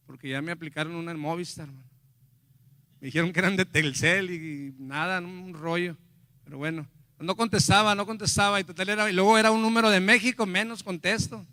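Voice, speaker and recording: An older man from Mexico, a pastor telling a family testimony in a sermon, acting out quotes and swinging from quiet asides to loud exclamations. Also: high-pitched, clear, resonant tone, no room sound, studio quality.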